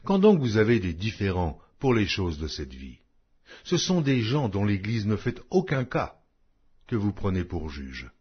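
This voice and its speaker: A man's voice: lowish voice, huge pitch swings, unhurried, slightly rough. A man narrating a Bible audiobook in a solemn, declamatory way, reading scripted text with emphatic phrasing. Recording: dull, lo-fi audio.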